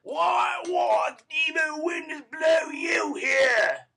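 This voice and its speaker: A man voicing a brutal, hot-tempered male robber in a storybook reading, shouting savagely. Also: extremely high pitch, very slow, vocal fry, some chatter behind, voice pushed up, heavily acted.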